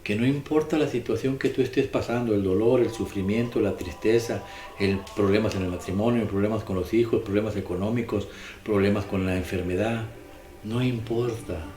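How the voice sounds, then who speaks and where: A man's voice: fairly low pitch, moderate pace, warm tone. A man preaching a sermon, emphatic and repetitive, putting questions to his listeners. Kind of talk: sermon on the daily gospel. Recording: echoey room with music behind.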